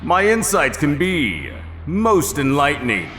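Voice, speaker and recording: A man voicing a smug, condescending insect-like android villain with a theatrical, drawn-out cartoon delivery. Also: on the high side, huge pitch swings, a bit bright, full character voice. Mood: smugly menacing. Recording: heavy reverberant hall echo.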